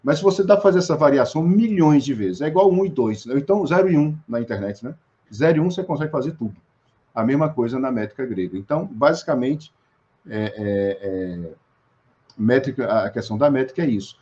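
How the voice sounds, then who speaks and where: A man's voice: medium pitch, lively intonation, brisk, dark tone, dull audio. A Brazilian man speaking as an interview guest, explaining poetry with many restarts and fillers. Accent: Brazilian Portuguese.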